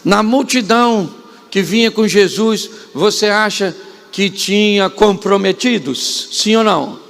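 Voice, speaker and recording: A Brazilian pastor with a high voice and a gravelly edge preaches in a church. He tells the story with humor and drama, rising and dropping sharply, and keeps quizzing the congregation with repeated questions. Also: unhurried, fairly bright tone. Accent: Brazilian Portuguese. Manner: dramatic storytelling with sudden rises and drops. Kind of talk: live church sermon.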